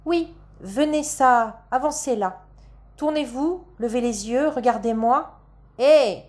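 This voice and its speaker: A woman's voice: sits high, takes it slowly, darkish tone, voice pushed up. A woman voicing an older man who acts a grieving stage father, theatrical and exclamatory with a raised voice. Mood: commanding.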